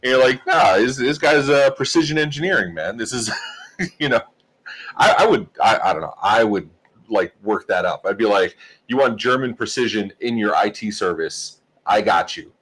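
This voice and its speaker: A man's voice: fairly low pitch, moderate pace, low-quality recording. A man co-hosting a casual tech podcast, telling stories with lots of laughter and casual swearing. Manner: animated storyteller, laughs often, swears casually. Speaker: podcast co-host. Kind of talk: casual chat, storytelling.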